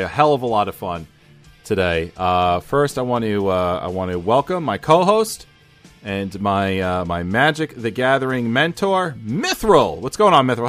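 A man hosting a casual podcast, energetic and talkative, often repeating himself with fillers. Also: medium pitch. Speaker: podcast host. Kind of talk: casual chat.

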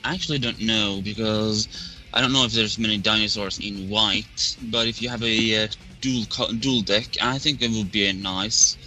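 A man's voice: lowish voice, steady tone, normal speed, pushed and bright, faint music behind, low-quality recording. A man appearing as a guest on a casual podcast, speaking hesitantly and often repeating "actually". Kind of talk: casual chat.

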